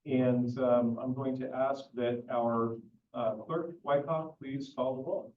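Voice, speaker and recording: A man acting as mayor, opening a public council meeting. He talks slowly and projects his voice without yelling, with no microphone in a meeting room. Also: medium pitch, fairly even intonation. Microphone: no microphone, picked up from a distance. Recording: echoey, distant, dull sound.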